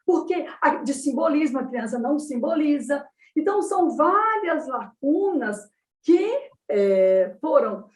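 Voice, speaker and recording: A woman psychologist with a Brazilian Portuguese accent, giving an animated talk on child development. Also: sits high. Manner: animated explaining, acts out mothers' baby talk. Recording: roomy sound, distant from the mic.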